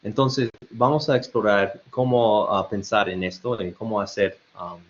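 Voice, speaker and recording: A man's voice: lowish voice, steady tone, unhurried, a little hiss or hum. A man with an American-tinged Spanish accent giving an online webinar presentation, hesitant with many fillers and restarts. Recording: dull lo-fi web call audio.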